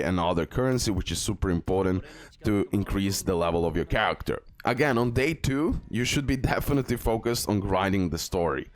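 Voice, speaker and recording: A man who speaks English as a second language gives a casual, instructive mobile game tutorial, repeating and stressing his key tips. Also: fairly low pitch. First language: not English. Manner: instructive, repetitive, emphatic about key tips. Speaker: gaming video creator and guide.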